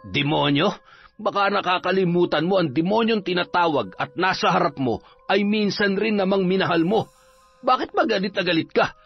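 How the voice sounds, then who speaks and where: A man playing a bitter, hot-tempered young man who talks in a quick, sneering way. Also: on the high side, lively intonation, creaky, husky, heavily acted. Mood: bitter, angry. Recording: slightly dull, faint music.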